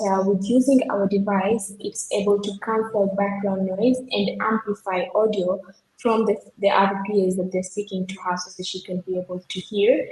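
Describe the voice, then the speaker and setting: A young woman from Kenya, a software developer, explaining her team's project in an earnest way with many fillers. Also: mid-range voice. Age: young adult. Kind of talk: technical project demo. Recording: echoey room with faint background noise.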